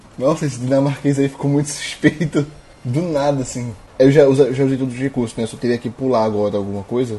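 Medium in pitch, a man speaks very fast. His intonation stays fairly even. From Brazil, Recife (Pernambuco). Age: 19. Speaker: university literature student, quiz contestant. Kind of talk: quiz show. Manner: hesitant, repeats words.

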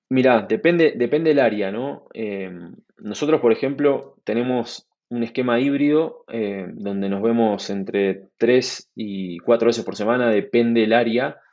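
A man with a medium-pitched voice speaks fairly slowly, his pitch varying in an ordinary way. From Argentina. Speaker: startup country manager. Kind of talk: interview. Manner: halting, repeats words.

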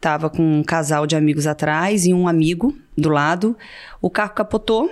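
An ordinary speaking voice at a moderate pace. Its pitch varies in an ordinary way. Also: woman. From Brazil, São Paulo state (Cachoeira Paulista). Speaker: physician. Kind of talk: casual interview.

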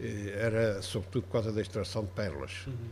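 A somewhat breathy man at medium pitch. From Azores, Portugal. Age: 60s. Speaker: sailor and fisherman. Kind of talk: casual interview. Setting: restaurant.

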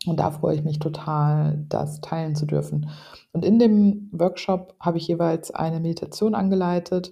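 A woman with a fairly low pitch and a dark, mellow tone speaks in a somewhat breathy way with fairly even intonation. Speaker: coach and trainer. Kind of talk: guided meditation, calm and soothing. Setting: podcast recording, solo. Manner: slow; soft-spoken, gentle.

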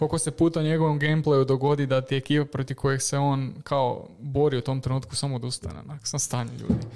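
Fairly quick and with hardly any pauses, a man talks in a plain, everyday voice, fairly high-pitched for a man and fairly even in intonation. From Croatia, Požega (Slavonia). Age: 20s. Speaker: esports content intern and student. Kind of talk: casual chat.

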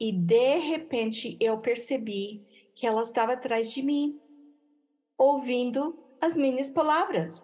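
A woman with an English accent speaks at a very slow pace. Her pitch is high, with ordinary variation. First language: English (speaking Portuguese). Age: 60s. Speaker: women's ministry speaker. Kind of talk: interview.

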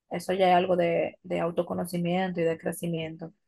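A woman's voice sits at a fairly low pitch with a dark, mellow tone. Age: 20s. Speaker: doctor. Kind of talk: casual chat.

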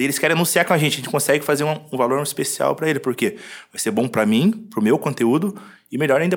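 Lively intonation marks this man's speech, captured on a very clean recording against a silent background. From interior of São Paulo state, Brazil. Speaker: social media page owner and entrepreneur. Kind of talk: casual interview.

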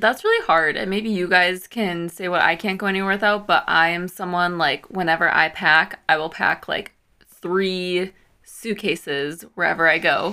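She speaks with a Minnesotan accent. Her intonation stays fairly even. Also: medium pitch for a woman, moderate pace.

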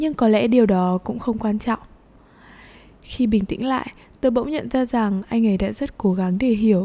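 Speaking at a fairly quick pace, a woman with a fairly high pitch uses ordinary pitch variation and a dark, mellow tone. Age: 30s. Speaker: podcaster. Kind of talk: personal reflective monologue. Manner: soft-spoken.

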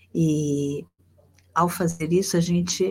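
Her intonation stays fairly even, and the woman's voice is somewhat breathy. She has a fairly low pitch and a dark, mellow tone. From interior of São Paulo state, Brazil. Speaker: spiritist Bible study guest. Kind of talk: religious discussion.

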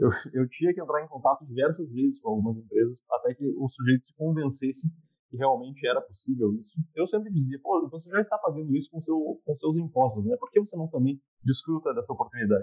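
This man's voice is pitched fairly high. He rattles through his words extremely quickly. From Porto Alegre, southern Brazil. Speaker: export program advisor. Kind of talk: interview conversation. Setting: recording from home. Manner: halting, many repetitions.

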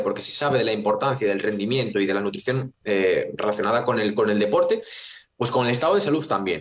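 Here a man is talking. His pace is very fast. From Spain, Galicia (A Coruña). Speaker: nutrition writer and author. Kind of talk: interview.

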